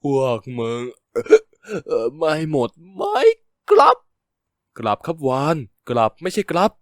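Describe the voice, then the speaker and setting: A man's voice: fairly high pitch, huge pitch swings, slow pace, dry recording, studio quality, voice pushed down, heavily acted. A man voicing a drunk, heartbroken young man who slurs and stumbles through his words between sobs. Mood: drunk sobbing. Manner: slurred, stumbling, sobbing speech.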